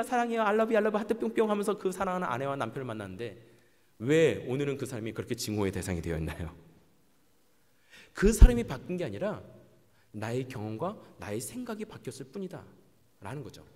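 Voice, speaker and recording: Animated male pastor in a reverberant hall. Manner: animated, acts out quoted voices with big pitch swings. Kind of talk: sermon.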